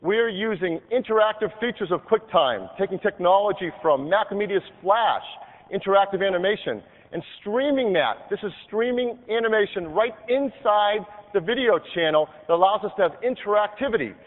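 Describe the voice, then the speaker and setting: A man giving an upbeat live software demo on a conference stage, clicking through features as he talks. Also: high-pitched, animated, moderate pace. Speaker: product demonstrator on stage. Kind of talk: live keynote product demo. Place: large convention hall stage. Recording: tinny, hall-reverb archive video of a keynote.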